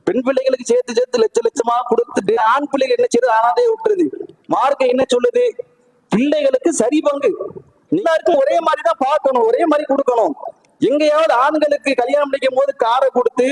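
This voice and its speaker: A man preaching a Friday sermon, firing rhetorical questions at the congregation and swinging his pitch hard as he tells the story. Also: poor audio. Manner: emphatic, swings sharply up and down in pitch while telling stories.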